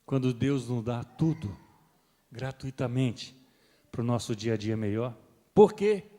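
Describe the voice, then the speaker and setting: A middle-aged man preaching a sermon as pastor, swelling loud on key points and then dropping soft. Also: mid-range voice, animated, takes it slowly. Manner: rises and swells with emphasis, then drops soft. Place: church hall. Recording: long reverb of a church hall.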